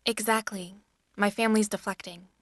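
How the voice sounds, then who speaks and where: A woman's voice: mid-range voice, fairly even intonation, moderate pace, no echo, clean studio sound, close to an everyday voice. An actress playing a troubled, stubborn young female grad student in naturalistic audio drama, with a wry, guarded manner. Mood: guarded, uneasy.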